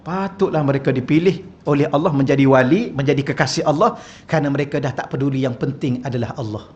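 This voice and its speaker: A man's voice: medium pitch, quick pace, darkish tone, dull audio. A man with a Malaysian Malay accent giving a humorous, conversational religious lecture in a mosque hall, often asking the audience questions. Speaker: religious teacher. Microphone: wireless microphone.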